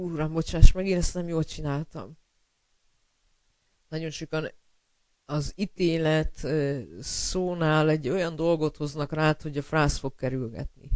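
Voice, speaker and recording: An earnest man preaching a sermon, his voice sitting a little higher than most men's. He pauses often with fillers, speaks straight to his listeners and calls them brother. The sound is dry and close, with no room echo. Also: a little mellow, clean tone. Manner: tells personal stories to illustrate scripture.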